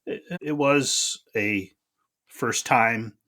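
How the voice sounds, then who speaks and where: A man's voice: mid-range voice, very slow, bright, forceful tone. A man hosting a podcast, chatting casually and chummily with his guest. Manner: chummy, calls guest buddy and sir. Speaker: podcast host. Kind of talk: casual interview chat.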